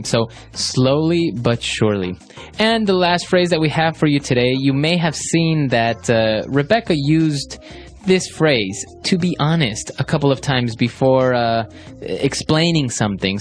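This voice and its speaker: A man's voice: mid-range voice, animated, a little slow, faint music behind. A man co-hosting an English lesson podcast, leading segments and affirming his partner. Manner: leads segments, affirms often. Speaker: co-host, English teacher. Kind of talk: language lesson podcast chat.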